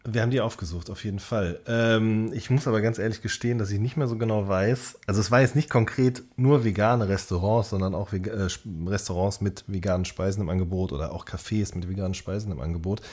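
A man's voice: lowish voice, steady tone, quick pace, hardly any pauses, darkish tone. A man co-hosts a casual podcast. He talks in a hesitant way, often searching for the next word. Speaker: podcast co-host.

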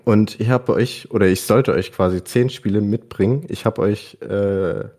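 Guesting on a podcast to present his favourite games, this man talks about video games in a casual, informal way full of youthful slang. His pitch is fairly low, his tone mellow, and he keeps a normal speed.

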